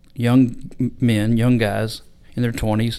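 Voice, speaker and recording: At a fairly slow pace, a man talks in an unremarkable speaking voice at a medium pitch. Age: 60s. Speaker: campus ministry leader. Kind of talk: casual interview.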